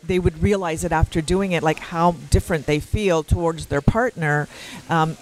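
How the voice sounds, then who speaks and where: A woman's voice: sits low, normal speed, poor audio. A woman co-hosting a casual podcast, recorded in a hotel lobby. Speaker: podcast co-host. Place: busy hotel lobby with a fountain.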